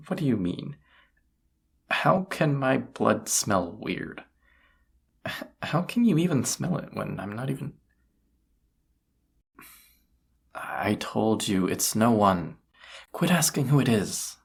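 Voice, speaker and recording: A lovestruck young incubus acted by a man in a romantic audio roleplay. He speaks slowly in a deep, husky voice. His delivery is intimate and hesitant, breaking into small stammers as he bares his feelings. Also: exaggerated voice. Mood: flustered, defensive. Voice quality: breathy, husky. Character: young male incubus, flustered lovestruck roommate.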